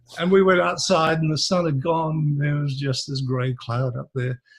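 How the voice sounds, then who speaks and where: A man talks at a fairly high pitch with ordinary pitch variation. His voice is somewhat breathy. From Malaysia. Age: 70s. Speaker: former Adventist minister. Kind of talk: interview testimony.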